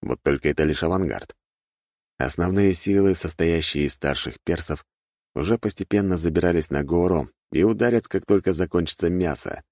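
A man narrating a fantasy audiobook in a steady, even reading voice, recorded close to the mic. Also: deep voice, moderate pace, no echo.

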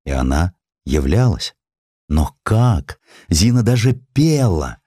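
A man reads scripted literary narration in a deep voice. His delivery is dramatic and expressive, with lively swings of pitch. The sound is close and dry, with no room around it. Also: slow, husky, no room sound. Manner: expressive, theatrical storytelling. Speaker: audiobook narrator.

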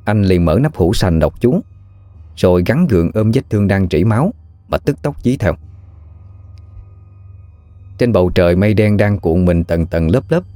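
Male narrator, very low, dry close read, steady storytelling. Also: normal speed, long pauses, no echo, soft background music. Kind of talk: scripted narration of a ghost story.

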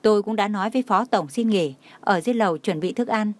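A woman's voice: mid-range voice, fast talker, a little mellow, no echo, natural voice. Woman doing a bossy scolding friend.

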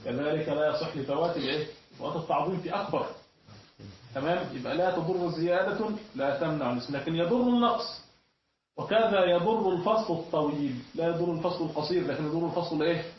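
A man teaching a classroom lesson, often pausing mid-sentence so his students can finish his words. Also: on the high side, slight background noise. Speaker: teacher of Islamic jurisprudence. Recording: echoey, distant, dull room recording.

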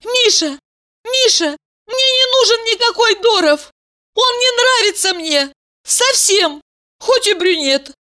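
Woman reading does a tall young blonde, impulsive and tearful, pitched way up, loud, every phrase swooping. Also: expressive, slow pace, exaggerated voice. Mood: frantic. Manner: breathless high-pitched pleading cries.

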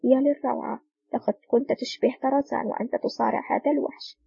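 A woman's voice: on the high side, steady tone, quick pace, creaky, mellow, breathy edge, highs cut off, full character voice. A woman reading the lines of a proud, stubborn young woman lieutenant in an audiobook, defiant in tone. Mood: admiring.

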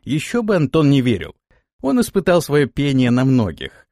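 Expressive male audiobook narrator. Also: medium pitch, normal speed, no room sound, clean studio sound. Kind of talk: scripted narration.

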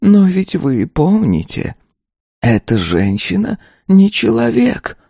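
A man voicing a tiny golden ghost servant who calmly and persistently needles his master, speaking in a hushed, drawn-out sing-song. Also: high voice, gravelly, dry recording, studio quality, pitched above the performer's own voice, exaggerated voice. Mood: cautious. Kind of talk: audiobook character voice.

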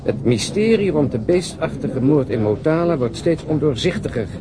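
An actor playing a coarse, wisecracking police detective in a radio crime drama, grumbling and mocking in a blunt way. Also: male voice, fairly high pitch, big pitch swings, moderate pace, crowd noise. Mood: mocking recital.

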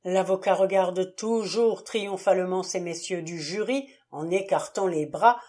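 A woman reading a novel aloud as an audiobook, calm and measured, with sudden lively bursts for the dialogue. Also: on the low side. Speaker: audiobook reader. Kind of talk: audiobook narration.

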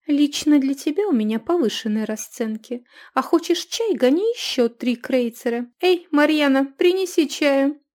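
A woman reader voicing a furious, scolding middle-aged female innkeeper who yells and nags. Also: big pitch swings, takes it slowly, few pauses, exaggerated voice. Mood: demanding. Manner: shrill, yelling, sharp-tongued.

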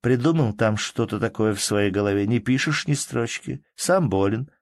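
Man voicing a young woman, affectionate, playfully commanding, pitched well above his own low voice, dry close recording. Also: normal speed, no room sound, lightly acted. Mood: teasing. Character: young woman, loving, bossy, lively. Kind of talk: audiobook character reading.

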